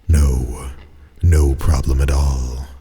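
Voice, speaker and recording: A man voicing a solemn innkeeper in a spooky story, speaking slowly and gravely with an ominous air. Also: rumbling low, fairly even intonation, warm tone, voice pushed down, full character voice. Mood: grave warning. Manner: slow, grave, ominous warning delivery.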